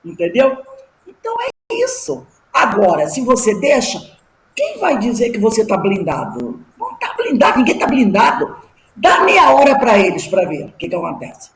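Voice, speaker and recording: A middle-aged woman teaching a class, telling personal stories with lively emphasis and rhetorical questions. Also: a little high, normal speed, echoey room, low-quality recording. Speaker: class teacher at a spiritist study group.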